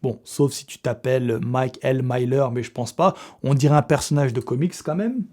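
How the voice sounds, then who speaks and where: A man's voice: medium pitch, normal speed, warm tone. A young man hosting a casual vlog giveaway, talking in slangy, chatty French with frequent swearing and laughs. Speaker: fitness youtuber running a giveaway draw. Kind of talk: casual vlog talk to camera.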